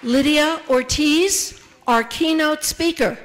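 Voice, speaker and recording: A woman serving as the emcee of a ceremony, reading out names, titles and introductions in a measured way. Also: high-pitched, some chatter behind, a little hiss or hum.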